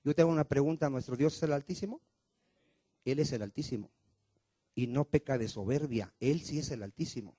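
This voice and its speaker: A man's voice: medium pitch, fairly quick, mellow, no room sound. A man preaching a sermon as pastor of a church, firing rhetorical questions at the congregation and calling for responses.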